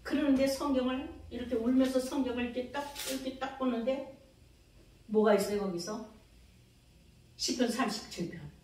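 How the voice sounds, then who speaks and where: A woman's voice: high-pitched, normal speed, long pauses, a little mellow, a little hiss or hum. A woman pastor preaching a revival sermon, dramatically acting out her own prayers and calling for amens. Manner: calls for amens from the congregation. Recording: very echoey hall, mic from a distance.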